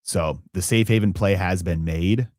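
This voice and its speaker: A man's voice: low voice, darkish tone, no echo, studio quality. A man hosting a live finance stream, talking through markets with lots of fillers and restarts. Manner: halting, many fillers and restarts. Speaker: finance channel host.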